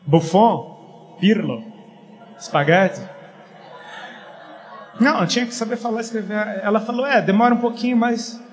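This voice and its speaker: Middle-aged guy preaching, high voice, chatty and jokey, goes quiet then loud. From Paraíba, Brazil. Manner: casual, joking, swings from quiet to loud. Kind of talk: sermon.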